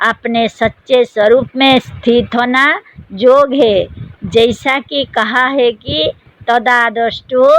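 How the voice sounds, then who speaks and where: The high-pitched voice of a woman comes through dry and close, with no echo. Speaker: spiritual discourse reader. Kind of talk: spiritual discourse reading.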